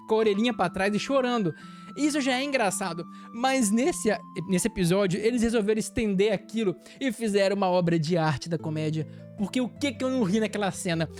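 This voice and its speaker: A woman who hosts an anime channel recaps an episode in an animated, chatty way, laughing often. She has a Brazilian Portuguese accent and a medium-pitched voice.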